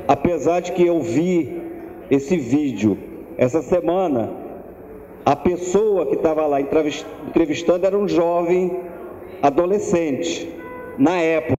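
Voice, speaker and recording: A man's voice: on the high side, unhurried, dark tone, slight background noise. A man giving a friendly, informal introduction of a guest speaker at an event. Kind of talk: introduction speech. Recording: echoey hall, dull lo-fi sound.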